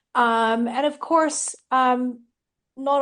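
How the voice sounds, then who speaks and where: In a quiet background, a woman with a South African accent speaks in a high pitch with monotone, flat intonation. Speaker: franchise marketing consultant. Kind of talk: podcast interview.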